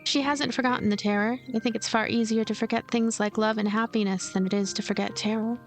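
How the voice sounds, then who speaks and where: A woman's voice: on the high side, fairly even intonation, fast talker, soft background music, natural voice. A woman voicing a lonely, cynical, manipulative girl who narrates a visual novel in a detached, coaxing way. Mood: cold, matter-of-fact.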